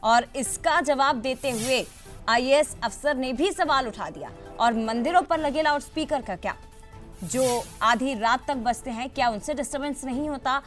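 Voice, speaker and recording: A woman's voice: sits high, moderate pace, a bit bright, soft background music. A woman anchoring a TV news debate, putting pointed questions to guests.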